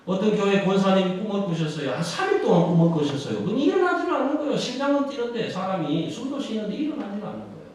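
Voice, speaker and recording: A male Korean pastor preaching a sermon in an emphatic, rousing way with dramatic pauses, in a large church sanctuary. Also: sits high, big pitch swings, a little mellow. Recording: echoey hall from far off.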